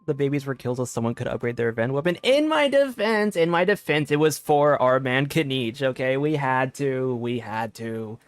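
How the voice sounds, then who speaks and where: A man's voice: mid-range voice, lively intonation, moderate pace, few pauses, clear, resonant tone, dry recording. A man streaming a game, giving casual, playful live commentary into a close microphone. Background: game music.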